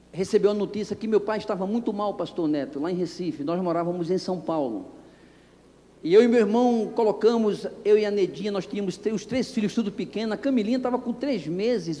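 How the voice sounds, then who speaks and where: High-voiced preacher in an echoing hall. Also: male voice. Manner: animated, acts out dialogue, bursts into shouts. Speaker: pastor. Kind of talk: storytelling sermon. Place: church anniversary service. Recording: long reverb of a church hall.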